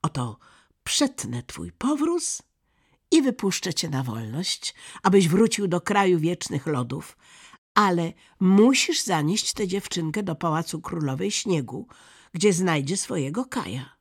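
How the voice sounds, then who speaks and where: A storyteller voicing a fierce, bossy young robber girl who talks loud and threatening, in a husky, creaky voice. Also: mid-range voice, very animated, measured pace, voice pushed up, full character voice.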